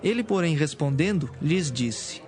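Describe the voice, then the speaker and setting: A man's voice: on the high side, animated, a little slow, darkish tone. A man giving solemn scripted narration as the narrator of a dramatized Bible. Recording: music behind.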